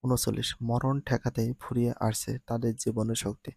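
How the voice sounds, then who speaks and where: Gravelly man reading quiz answers. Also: medium pitch, little pitch movement, a little mellow, dry recording. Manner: reads each answer twice, slowly and plainly. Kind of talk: reading multiple-choice questions and answers.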